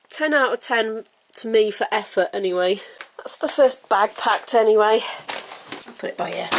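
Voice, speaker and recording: A woman's voice: mid-range voice, a little hiss or hum, poor audio. Chatty home vlogger, middle-aged woman. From living in Wales. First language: English. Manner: chatty, self-mocking, breaks into little sung notes. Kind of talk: casual vlog chat while decluttering.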